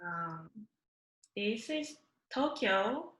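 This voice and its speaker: Soft-spoken Japanese woman, echoey room. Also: mid-range voice, sing-song, slight background noise. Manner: halting, with frequent fillers and restarts. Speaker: guest artist. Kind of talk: presenting slides of her work.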